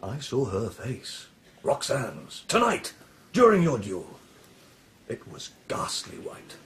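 A man's voice: mid-range voice, wildly swooping pitch, slow pace, a bit bright, full character voice. A man acting a loyal, encouraging friend in a radio verse drama, emphatic and theatrical. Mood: urging.

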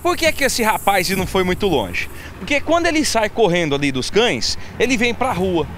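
A man's voice: high voice, very animated, normal speed, fairly bright tone, faint music behind. A man presenting TV crime news, telling the story dramatically, speaking straight to the viewer and acting out people's words in a raised voice. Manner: dramatic, acts out quotes in raised voice. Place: outdoors on a city street.

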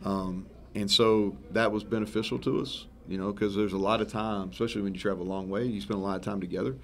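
Quick-paced and fairly low-pitched, the voice comes from a head football coach in his thirties at a post-game press conference. He gives rambling, candid answers, relaxed and frequently self-correcting, into several microphones on the table, with a sponsor backdrop set up behind him.

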